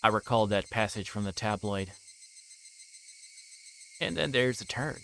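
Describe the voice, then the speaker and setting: A man's voice: fairly low pitch, a little slow, creaky, a bit bright, a little hiss or hum, low-quality recording. A man livestreaming a visual novel, reading the text aloud and sometimes stumbling and correcting himself.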